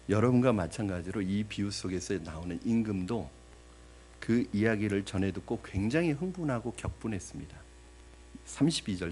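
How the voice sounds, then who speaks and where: A man's voice: fairly low pitch, a little mellow, a little hiss or hum. A male pastor preaching a sermon to his congregation, asking them questions and acting out the story's characters with drama. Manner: addresses the congregation with rhetorical questions; acts out the parable's voices dramatically.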